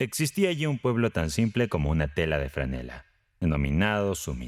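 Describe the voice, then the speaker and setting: A man talks at a moderate pace in a very deep, low voice. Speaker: audiobook narrator. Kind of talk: sleep story. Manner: soft-spoken, calm.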